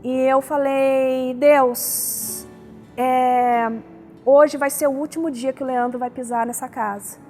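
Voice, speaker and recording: A woman's voice: sits high, steady tone, takes it slowly, a little mellow, soft background music. A woman pastor from Brazil with a São Paulo accent, giving a personal testimony and acting out the dialogue and prayers in her story. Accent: São Paulo state Brazilian Portuguese.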